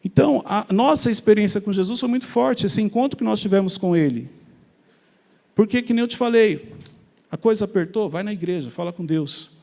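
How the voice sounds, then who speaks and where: A middle-aged Brazilian man telling his personal faith testimony in an animated storytelling way, acting out remembered conversations. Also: high-pitched, fairly quick, vocal fry, big-room sound. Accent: Brazilian Portuguese. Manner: animated, acts out remembered dialogue. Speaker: speaker sharing a faith testimony.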